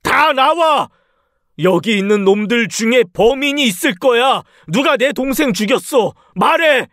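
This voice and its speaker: A grief-crazed vengeful husband. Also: male voice, very high-pitched, lively intonation, a little slow, no room sound, studio quality, full character voice. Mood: furious. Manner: raging, threatening, shouting. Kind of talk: story radio drama reading.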